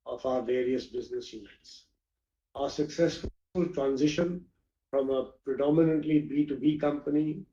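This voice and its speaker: A man delivers a formal scripted address as a company chairperson. His voice is mellow and middle-pitched, and he reads in a measured way. The sound is dull and echoey, like a video conference from a bare room. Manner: measured, formal, reading from prepared text.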